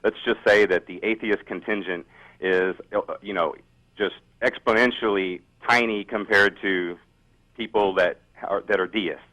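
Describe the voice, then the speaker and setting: A man's voice: on the low side, fairly even intonation, measured pace, bright, forceful tone, muffled recording. A man speaking as a radio show caller in an unscripted debate, hesitant and often repeating himself, as if on a phone-in.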